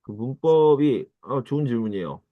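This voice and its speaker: Lively Korean teacher, dry close mic. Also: male voice, no room sound, narrow, tinny audio. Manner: acts out little dialogues in a higher, excited voice; repeats phrases slowly for learners. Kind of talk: online grammar lesson.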